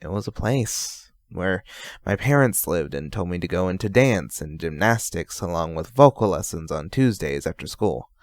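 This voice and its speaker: A man's voice: low voice, expressive, moderate pace, no echo, studio quality. A man playing a guarded young mage superhero in an audio drama, with a wry, hesitant, confiding delivery. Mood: weary, wistful. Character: young male mage superhero, guarded behind fake cheer.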